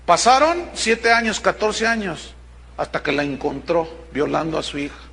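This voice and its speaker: A man's voice: fairly high pitch, moderate pace, creaky, a bit bright. A middle-aged man preaching a sermon as pastor, emphatic and stopping to check that his listeners follow. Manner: emphatic, with rhetorical check-ins to the congregation.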